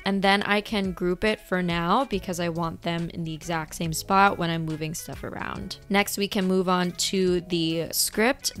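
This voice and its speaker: A young woman with a slightly hoarse voice calmly explaining a craft project step by step in a tutorial voice-over. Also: lowish voice. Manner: calm, instructive, methodical. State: slightly hoarse, losing her voice. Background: faint background music.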